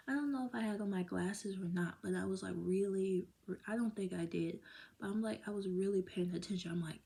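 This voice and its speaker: A woman's voice: mid-range voice, creaky, dark tone. A woman in a casual faith vlog telling a personal story, rambling and emotional, with many fillers and restarts. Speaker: vlogger.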